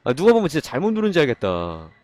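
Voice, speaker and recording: Male game streamer, casual live commentary, highly animated pitch, somewhat high voice, excitable outbursts, faint game music behind. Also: racing, no room sound. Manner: excitable, swings from calm explaining to loud exasperated outbursts. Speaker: game streamer doing gacha pulls for a viewer.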